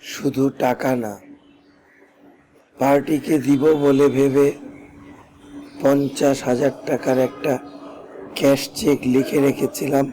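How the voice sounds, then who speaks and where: A man's voice: mid-range voice, level tone, takes it slowly, pauses often, lightly acted. A man playing an angry, accusing man. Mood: aggrieved. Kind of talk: TV drama acting. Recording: loud background noise.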